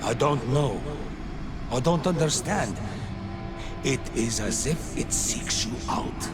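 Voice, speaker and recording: An actor playing a grave, protective tribal man in a video game, measured and portentous. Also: medium pitch, lively intonation. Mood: grave, alarmed. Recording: loud game music over voice.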